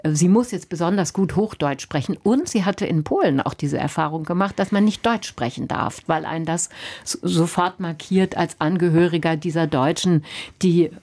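Lower-pitched woman, measured critic in a radio book discussion. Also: a little mellow. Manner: thoughtful, measured, explanatory.

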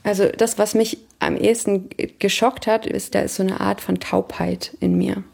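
A woman in her thirties from Germany, speaking thoughtfully in an interview, pausing and searching for words. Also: mid-range voice, fairly even intonation, vocal fry, a little mellow, husky. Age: 30s. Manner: thoughtful, searching, pauses with hesitations. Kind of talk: reflective personal interview.

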